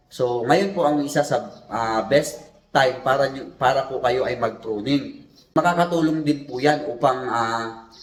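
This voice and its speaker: A normal speaking voice from a man, moderately paced, with ordinary pitch variation. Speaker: construction and home repair vlogger. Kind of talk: tutorial. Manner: polite, formal address.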